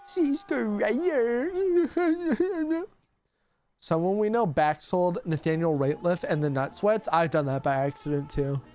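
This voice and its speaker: A man's voice: on the high side, normal speed, hardly any pauses, a little mellow, smooth, faint music behind. A young man, a radio host streaming casually while opening cards, teasing his chat and laughing often.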